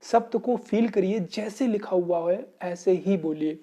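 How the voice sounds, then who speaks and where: A man's voice: high-pitched, a little slow, mellow. A man from Uttar Pradesh with an Indian accent, teaching English in a lesson and answering his own questions. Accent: Indian Hindi-speaking. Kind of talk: explanatory Hinglish lesson.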